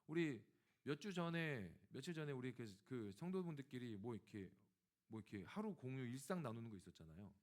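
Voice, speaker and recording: A man's voice: medium pitch, fairly quick. A male pastor preaching a sermon, telling a personal story and speaking directly to his congregation. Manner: animated storytelling, acting out dialogue.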